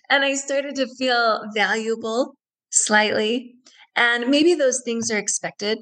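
A woman's voice: a little high, takes it slowly, a bit bright, rough recording. A woman guest in a radio interview who tells a personal story earnestly and reflectively, often repeating phrases.

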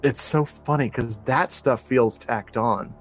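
A man chatting on a podcast, enthusiastic and rambling, often stopping to restart a sentence. His voice sits at an everyday middle pitch, with faint music behind him. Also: measured pace. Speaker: podcast co-host. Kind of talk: casual chat about horror movies.

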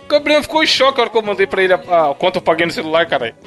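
A Brazilian man with a bright, forceful voice talks fast and swings his pitch around. He hosts a casual podcast in slangy, sweary speech. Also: big pitch swings, faint music behind. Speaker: podcast host.

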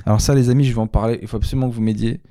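A man's voice: medium pitch, fairly even intonation, racing, warm tone, no echo, clean studio sound. A man co-hosting a couple's show in casual chat, playful and talking straight to his listeners. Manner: playful, addresses the audience directly.

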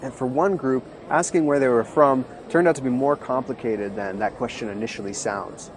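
A man's voice: mid-range voice, normal speed, a crowd in the background. A man narrating a scripted report about a faith-based justice conference. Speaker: video host and interviewer.

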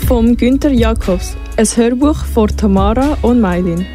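A woman's voice: a little high, measured pace, mellow, faint music behind. Teen girl narrating a radio play. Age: teens.

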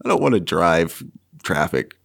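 A man co-hosting a podcast in casual chat, with a raspy, wheezy smoker's rasp from a night of heavy smoking and a rambling, halting way of explaining. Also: low-pitched, very animated. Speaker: podcast co-host.

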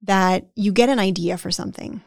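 A woman's voice: medium pitch, a little fast, gravelly, dry recording, clean studio sound. A woman co-hosting a podcast in casual conversation, chatty, often tagging sentences with "right?" and acting out the self-talk of the people she describes. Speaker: podcast co-host.

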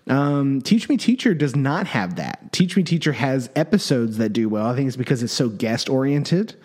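A man's voice: mid-range voice, big pitch swings, moderate pace, darkish tone. Man talking in an echoey room. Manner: loose, chatty, self-correcting talk. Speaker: podcast co-host. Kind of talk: casual podcast chat. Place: echoey room in an office being rearranged. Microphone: desk microphone.

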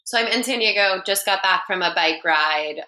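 A young woman from North Carolina, a guest on a talk show, chatting warmly and at an easy pace. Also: mid-range voice, normal speed. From North Carolina, USA. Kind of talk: casual chat.

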